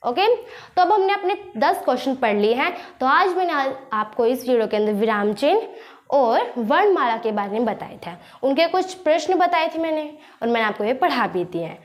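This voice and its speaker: A young woman with a high, light voice talks through a practice quiz for her online class. She explains things patiently, repeats her points and asks the listeners questions that she then answers herself. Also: very animated, moderate pace. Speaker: teacher and channel host.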